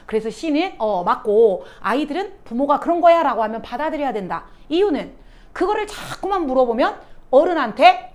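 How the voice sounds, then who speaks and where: A woman teacher talks through an exam passage with a high, lively voice. She fires rhetorical questions at her students and swings her pitch up and down as she explains. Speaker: English teacher. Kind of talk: exam lecture.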